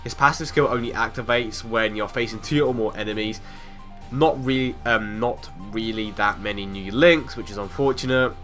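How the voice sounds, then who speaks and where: His voice is fairly low and a bit bright, with faint music behind him. This young mobile game video host, slightly under the weather with a cold, chats his way through a casual game analysis with plenty of ums, restarts, and brief laughs.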